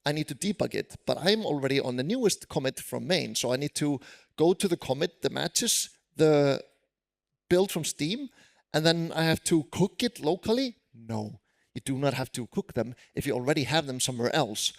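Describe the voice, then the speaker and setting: A man's voice: a little high, lively intonation, moderate pace, vocal fry. A man with an Icelandic accent, a programmer presenting tips on stage at a conference in a casual, self-deprecating way with many fillers. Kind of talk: live conference tech talk.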